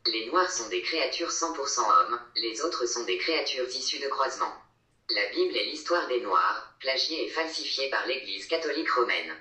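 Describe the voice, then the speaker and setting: A man reading a documentary-style voice-over in an even, declamatory manner, heard in a clip played into the show. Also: mid-range voice, normal speed. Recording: roomy clip played from a distance.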